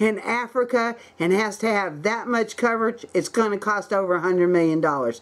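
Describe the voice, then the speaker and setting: Fairly slow, fairly high-pitched speech from a woman, her intonation moving in an ordinary way. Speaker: video blogger. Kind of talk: angry rant. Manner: sarcastic, indignant; animated.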